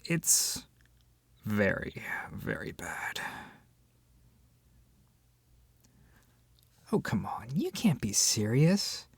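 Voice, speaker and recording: A voice actor playing an irritated book club member ranting in a one-sided roleplay, exasperated and sarcastic with dramatic pauses. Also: medium pitch, sing-song, breathy edge, no room sound, whispered, heavily acted. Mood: exasperated disbelief.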